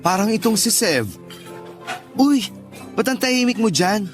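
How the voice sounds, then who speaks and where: A man's voice: sits high, expressive, a little slow. An actor playing a teasing, loyal young gay man in a Tagalog radio drama, with campy banter. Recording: music bed behind the voice.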